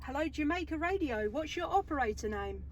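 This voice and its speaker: High-voiced woman, heavy radio noise. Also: expressive, fairly quick. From England. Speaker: mobile CB radio operator. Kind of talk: amateur radio contact calls. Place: inside a vehicle, mobile radio station. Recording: noisy radio hobby recording, distant from mic.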